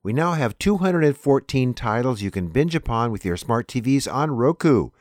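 A man hosting a weekly news program, reading an introduction and listing headlines in a measured way. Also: medium pitch, big pitch swings, darkish tone, no echo, clean studio sound. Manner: plain, measured announcer reading.

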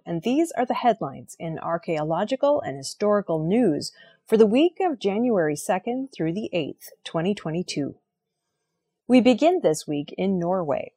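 A woman reading the weekly archaeology news headlines in a clear, measured scripted style. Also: mid-range voice, darkish tone. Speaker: news reader.

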